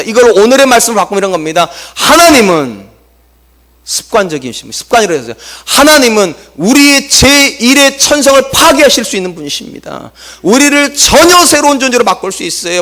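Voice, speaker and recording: A middle-aged man preaching a Sunday sermon as pastor, lively and humorous, acting out quotes from the people he speaks about. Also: very high voice. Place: church sanctuary.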